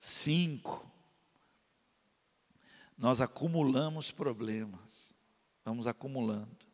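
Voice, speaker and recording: A man preaching a sermon as a pastor, swinging between loud impassioned pleas and low quiet asides. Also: slow, big-room sound.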